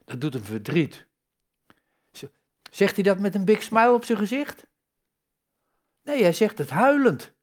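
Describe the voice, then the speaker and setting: A man's voice: sits high, sing-song, unhurried, long pauses. A man giving a sermon in a conversational way, asking the congregation rhetorical questions and stressing key words. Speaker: preacher.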